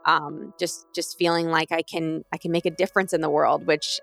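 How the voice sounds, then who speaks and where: A woman in her thirties, a retired athlete, telling her story candidly and earnestly, often restarting phrases and turning lively when she quotes others. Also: low-pitched, moderate pace, gravelly, faint music behind.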